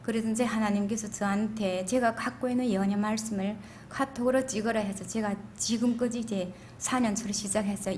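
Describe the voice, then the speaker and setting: A woman's voice: mid-range voice, a little mellow. Korean-Chinese woman's testimony, slightly noisy room. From China. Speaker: seminar participant introducing herself. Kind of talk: rambling personal testimony to a group. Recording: faint background room noise.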